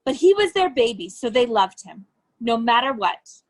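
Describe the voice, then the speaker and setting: In this children's storybook read-aloud, a woman with a high voice reads a picture book to young kids. Her pitch swings widely as she reads with great animation, and like an educator telling a story, she shapes every sentence with care and stresses the key words.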